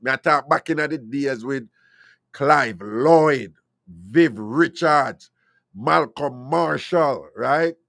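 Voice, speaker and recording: A man's voice: medium pitch, slow pace, gravelly, fairly bright tone, no room sound, clean studio sound. A Jamaican man hosting a call-in radio talk show, opinionated and slipping into patois.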